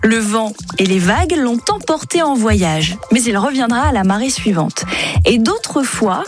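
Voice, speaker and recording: A woman radio columnist explaining nature to a child, her voice a little high and very lively in pitch. She tells it like a gentle story, with faint music behind. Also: unhurried.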